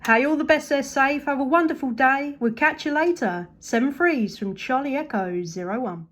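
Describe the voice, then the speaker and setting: Female CB operator, high voice, casual and chatty radio contact from a home station. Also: moderate pace, fairly bright tone. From United Kingdom. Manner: upbeat, chatty, appreciative.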